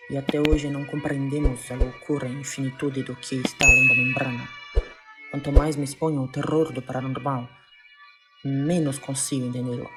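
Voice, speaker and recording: An actor plays a fearful Brazilian occult scholar fighting corruption. The mid-pitched voice stays flat, sombre and controlled, beneath a very loud musical score in audio drama style. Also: lightly acted. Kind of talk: audio drama trailer monologue.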